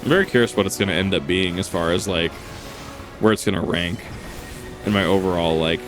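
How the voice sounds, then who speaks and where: Guy streaming a game, kinda low voice, rambly, faint game music behind. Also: fairly quick. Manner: rambling, many fillers and restarts. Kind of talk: casual gameplay chat.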